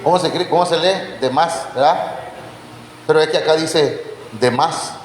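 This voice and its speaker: A man with a fairly high voice preaches a Bible teaching sermon at a normal speed, quizzing his congregation and addressing them as brothers. The church hall is echoey, with faint background noise.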